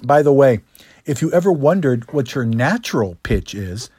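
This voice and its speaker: A middle-aged man presenting a scripted lesson as a speaking coach, in a practiced higher register with deliberate phrasing and rhetorical asides. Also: very animated, mellow, breathy edge, no echo, clean studio sound. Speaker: public speaking coach, host. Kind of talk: scripted instructional monologue.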